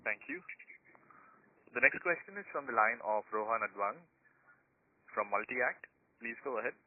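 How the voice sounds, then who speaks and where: A man's voice: mid-range voice, big pitch swings, moderate pace, no room sound. A man working as a conference call operator, moderating with scripted announcements. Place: telephone conference. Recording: tinny narrowband phone line.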